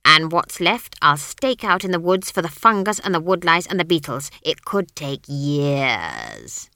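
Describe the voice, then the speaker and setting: A bossy old witch , put on by a woman reading aloud, scolds in clipped, imperious bursts. Her lowish voice swoops up and down with bright, cutting force. The sound is close and dry, like a storybook reading. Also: big pitch swings, measured pace, no room sound, exaggerated voice. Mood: threatening. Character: stern old witch, sharp-tongued and commanding. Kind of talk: audiobook character voice.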